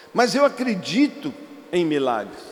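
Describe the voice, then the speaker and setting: A man speaks at an extremely high pitch and a fairly slow pace. Noticeable background noise and audible room echo fill the recording. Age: 60s. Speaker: pastor. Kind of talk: sermon.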